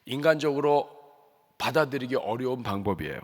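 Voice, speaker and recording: A male senior pastor preaching an animated sermon, questioning the congregation and acting out prayers in quoted voices. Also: medium pitch, brisk. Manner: acts out prayers and God's commands in quoted voices. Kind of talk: Sunday afternoon sermon. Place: church sanctuary. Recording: long hall reverb of a church sanctuary.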